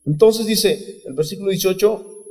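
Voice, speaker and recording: A man's voice: sits high, moderate pace, warm tone. A man preaching an informal sermon, talking conversationally and calling listeners brother. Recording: echoey hall, faint music behind.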